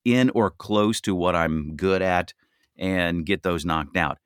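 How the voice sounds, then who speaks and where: A man with a deep, gritty voice talking earnestly and emphatically on a podcast, repeating his points. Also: takes it slowly, clear, resonant tone, dry recording, studio quality. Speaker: podcast co-host. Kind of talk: casual chat.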